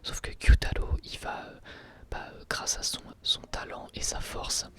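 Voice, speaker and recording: An ASMR creator whispering an episode review, hesitant and full of fillers and restarts. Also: a little slow. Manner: soft, breathy whisper throughout.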